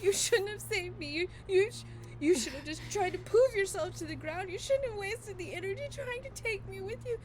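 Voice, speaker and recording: A woman's voice: very high-pitched, animated, moderate pace, hardly any pauses, slight background noise. A woman playing a stubborn, loyal friend in an audio drama, crying and stammering with grief. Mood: guilty, anguished. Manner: stammering, sobbing, protesting.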